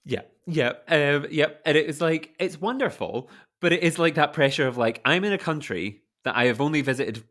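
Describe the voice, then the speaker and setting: A man's voice: fairly high pitch, moderate pace, few pauses, fairly bright tone. Chatty Scottish man hosting a podcast. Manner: rambling and enthusiastic, many fillers like "like". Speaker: podcast host. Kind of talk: casual podcast chat.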